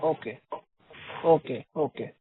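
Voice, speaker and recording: A male analyst with a high-pitched voice asks detailed questions. He is heard through a narrow, phone-like line during an earnings call. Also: unhurried, a little hiss or hum. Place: telephone conference call.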